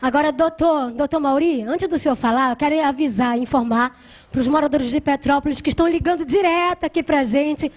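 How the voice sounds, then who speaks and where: A woman's voice: high voice, fairly quick. A Brazilian woman hosting a live TV talk show, chatty and making appeals to viewers. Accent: Brazilian Portuguese.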